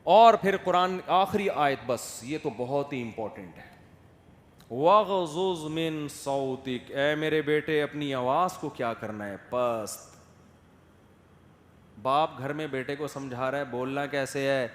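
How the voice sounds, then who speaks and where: A male Islamic scholar giving a religious lecture, moving between loud emphatic points and soft acted asides, often asking listeners if they follow. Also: mid-range voice. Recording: echoey hall with long reverb and faint noise.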